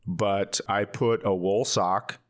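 A man with a fairly low voice chats casually as a comedy podcast host. He tells self-mocking stories in a loose, giggly way, as a comedian would with a close friend. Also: fairly even intonation, takes it slowly. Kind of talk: casual comedic banter and storytelling.

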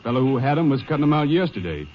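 Man acting a lively, folksy cowpoke rancher. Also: mid-range voice, rapid-fire, a little hiss or hum, natural voice. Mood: explaining. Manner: drawling cowboy talk, plain-spoken. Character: folksy cowpoke rancher, defensive but affable. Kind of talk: 1950s radio western acting. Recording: muffled old radio broadcast.

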